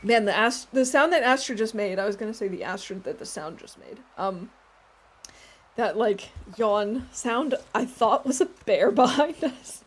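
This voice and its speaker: A woman's voice: fairly high pitch, expressive, a little slow. A woman streaming a game in casual chat, answering her chat and laughing often as she talks. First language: English. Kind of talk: casual chat while playing.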